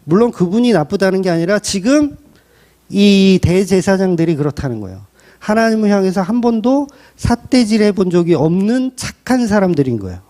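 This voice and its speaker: Lively, animated Korean male pastor. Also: sits high, moderate pace. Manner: blunt, colloquial preaching with lively acted-out quotes. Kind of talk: sermon.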